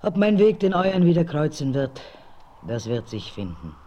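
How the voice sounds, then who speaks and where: An actor playing a lone mysterious Native American man in a radio play, halting and speaking in hushed whispers. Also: a little high, very animated, muffled recording, noisy background. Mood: solemn. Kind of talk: 1970s radio play acting.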